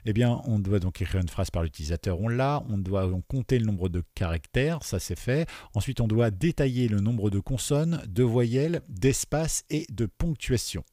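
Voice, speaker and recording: A man teaching beginners to code, explaining each step and often checking in with his listeners, with many fillers and dropping quieter while he types. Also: lowish voice, animated, moderate pace, few pauses, no room sound, clean studio sound. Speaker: programming teacher. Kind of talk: screen-recorded coding tutorial. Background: keyboard typing.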